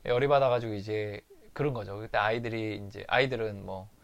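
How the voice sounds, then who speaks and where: A man's voice: on the low side, fairly even intonation, a little fast, creaky. A man candidly recounting a fight with his wife in a personal recovery diary monologue. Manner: candid, confessional storytelling.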